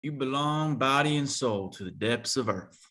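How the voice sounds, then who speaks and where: Man playing a blunt, forceful, bitter coal miner. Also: medium pitch, moderate pace. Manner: blunt, profane, confrontational. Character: hostile, bitter, foul-mouthed male coal miner. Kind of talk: table read of a screenplay.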